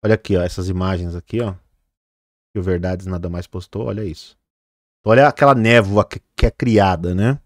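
A man's voice: low-pitched, brisk. A man vlogging, commenting on news images in a loose, chatty way, with lots of fillers and direct asides to his viewers. He sometimes stumbles on difficult names and corrects himself. The sound is close and dry, with no room echo. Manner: chatty, fillers like "né" and "olha, gente"; trips over hard names. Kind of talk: casual commentary over news footage.

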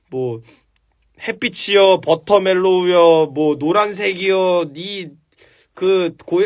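High-voiced man retelling a story crudely. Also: a bit bright, husky. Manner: crude slangy retelling, acts out stuttering and panicky characters. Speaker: live streamer retelling a story. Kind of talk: comic casual storytelling with acted-out voices. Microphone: phone on a live stream.

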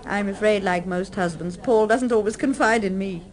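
An actress in a radio drama playing a poised, caring, practical wife with a brisk, well-mannered delivery. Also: female voice, medium pitch, close to an everyday voice. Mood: polite, wry.

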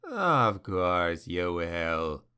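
A man voicing a sly, amused ancient male demon who speaks slowly and knowingly. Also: sits low, very animated, sharp tone, smooth, pitched below the performer's own voice, heavily acted. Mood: mocking. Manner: slow, knowing, mocking.

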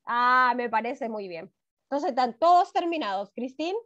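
A woman's voice: fairly high pitch, animated, normal speed, a bit bright. A woman with a Chilean accent teaching a first-grade class online, affectionate and encouraging with her pupils. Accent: Chilean Spanish. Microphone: video call. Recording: dull lo-fi video call audio.

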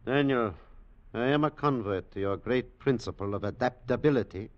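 A man's voice: mid-range voice, moderate pace, natural voice. A man playing a grave older doctor full of misgiving in a 1940s radio drama. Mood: grave, regretful. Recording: dull vintage radio recording.

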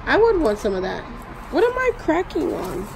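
A woman's voice: sits high, huge pitch swings, moderate pace, gravelly. A woman chatting and teasing while helping sort through a storage locker outdoors. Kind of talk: casual chat. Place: outdoors at an open storage unit. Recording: noisy outdoor camera audio.

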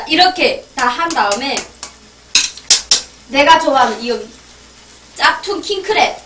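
A woman's voice: high voice, distant mic, noisy background. Chatty woman cooking in an echoey kitchen. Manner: playful, talks to herself while cooking, giggly. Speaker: cooking vlogger. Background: frying and sizzling food.

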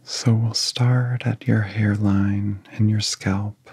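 A man guiding a relaxation in soft-spoken ASMR style, with a soft, whispery voice and gentle, soothing phrasing broken by long pauses. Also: fairly low pitch, level tone, dry recording. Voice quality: soft, breathy, often whispery. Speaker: ASMR hypnosis guide.

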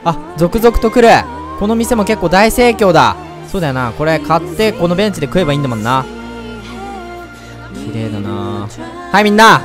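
A man giving let's play commentary, chatty and excitable, talking straight to his viewers and breaking into loud whoops. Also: fairly high pitch, normal speed, over music. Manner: chatty, speaks to viewers directly. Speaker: game commentator.

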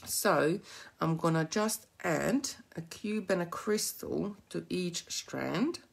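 A middle-aged Hungarian-accented woman with a notably low, deep voice walks viewers through a beading project. She chats freely and drifts into giggly asides as she works at a craft table. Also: slow pace, creaky. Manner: chatty, giggly, rambling asides while working. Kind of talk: live beading tutorial.

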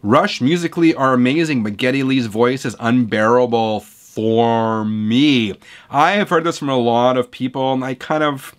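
A man in his forties hosts his music channel, his voice hoarse from a week-long cold. He talks in a chatty, opinionated way, close to the camera in a home room full of vinyl shelves, with an ordinary mid-range pitch. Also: moderate pace. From Canada. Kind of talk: casual reading of viewer comments. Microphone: camera close up at desk.

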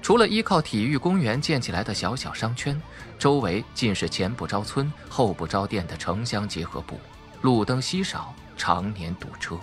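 A man's voice: fairly low pitch, sing-song, normal speed, soft background music. A man reading a suspense audiobook as a dramatic scripted narrator.

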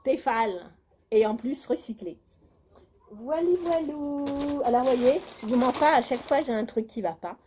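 Woman vlogger, casual chat, complaining, mellow voice, faint noise behind. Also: on the high side, brisk. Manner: chatty and complaining.

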